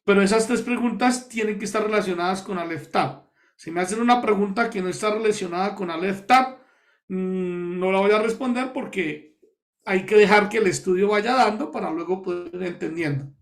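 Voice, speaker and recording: A pastor from Colombia leading a Bible study, explaining words slowly and repeating key terms to his listeners. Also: sits high.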